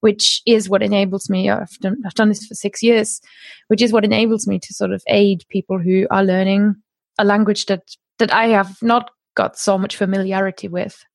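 A woman's voice: mid-range voice, level tone, normal speed, vocal fry, dry recording. German-native woman, thirties, chatty guest, frequent laughs, dry close sound. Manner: chatty, laughs often, restarts phrases. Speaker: guest, language course creator. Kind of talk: conversational podcast interview.

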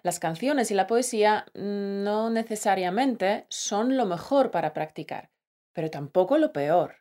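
A woman's voice: mid-range voice, lively intonation, measured pace, mellow. A woman co-hosting a scripted teaching podcast, playful and affectionate with the listener. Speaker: podcast co-host, Spanish teacher.

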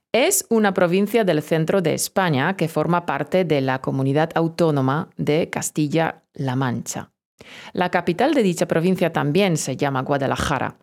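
A woman leads a scripted vocabulary lesson in a somewhat low voice. She pronounces each word slowly and carefully for the learner to repeat. She talks straight to the student with encouragement. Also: darkish tone. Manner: slow, careful pronunciation drills; encouraging, addresses the learner directly. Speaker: Spanish teacher.

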